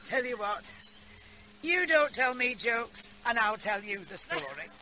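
A woman's voice: fairly high pitch, lively intonation, measured pace, background noise. An actress playing a blunt, wry old country grandmother with a Northern English accent in a radio drama. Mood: homely, matter-of-fact. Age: older. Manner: plain-spoken, dry, homely. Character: blunt, wry old rural grandmother, fond but scolding.

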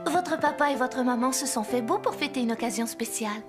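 A cheerful young babysitter from a children's cartoon, played by a woman, with a high voice. She is kind, playful and coaxing, with music clearly behind her. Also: a little fast, lightly acted. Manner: bright-spirited, coaxing, friendly. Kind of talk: French children's cartoon dubbing.

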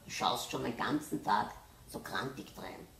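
A woman voicing a kindly, puzzled father who gently asks questions in a storybook reading. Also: very deep voice, expressive, unhurried, creaky, exaggerated voice. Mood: curious. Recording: roomy, distant mic, faint hiss.

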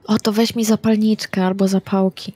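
A woman's voice: medium pitch, little pitch movement, normal speed, dark tone, slightly rough, no echo. A woman playing in a tabletop role-playing game, speaking in casual in-character banter.

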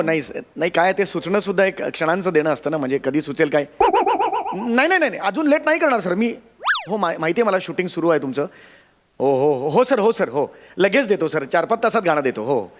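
Guy doing a cranky full-of-himself songwriter husband, bouncy pitch, comedy sketch w/ loud music behind. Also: close to an everyday voice. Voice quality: pompous, huffy. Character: boastful, short-tempered male film lyricist, middle-aged. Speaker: film lyricist husband in a sketch. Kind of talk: stage comedy sketch acting. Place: TV studio stage.

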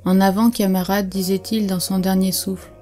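A woman reading the part of a scheming male pig in a storybook, in a soft, hushed, mock-mournful delivery. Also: mid-range voice, little pitch movement, moderate pace, faint music behind, lightly acted.

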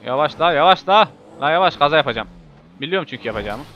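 A man commentating a racing game in a casual, excitable way, swearing and yelling when he crashes. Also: on the high side, quick pace. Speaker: gameplay video host. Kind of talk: live gameplay commentary. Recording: muffled lo-fi mic with faint hiss.

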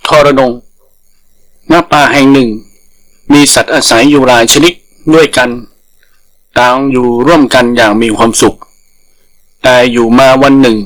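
A man's voice: mid-range voice, a bit bright, low-quality recording. A man reading a scripted folktale as a storyteller.

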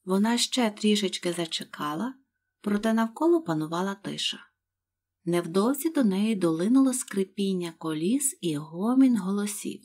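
A woman reading a children's fairy tale aloud, her voice husky and breathy. Calm, soft, even storytelling that carries the scene along. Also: medium pitch, normal speed. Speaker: narrator. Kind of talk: audiobook narration of a fairy tale.

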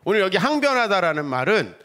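Male pastor, middle-aged, animated sermon delivery, bright voice with big swings in pitch. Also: fast talker. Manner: animated, rhetorical questions, acts out quoted voices.

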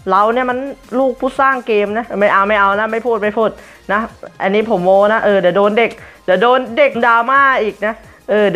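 A man giving excitable gameplay commentary as host of a gaming channel, breaking into yelps and English curses as he plays. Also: high-pitched. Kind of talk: excitable Minecraft parkour commentary. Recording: muffled lo-fi recording with faint background music.

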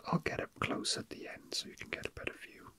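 Someone whispering breathily and unhurriedly, murmuring casually to themselves in an ASMR style, close to the microphone. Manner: soft, unhurried, murmuring to self. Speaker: toy unboxing video host.

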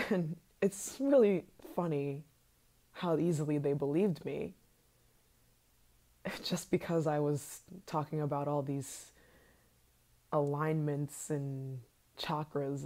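A woman voicing an obsessive yandere scientist in an ASMR role-play, sweet and sinister, soft-spoken with hesitant pauses. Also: sits low, fairly even intonation, exaggerated voice. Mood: smug, sinister.

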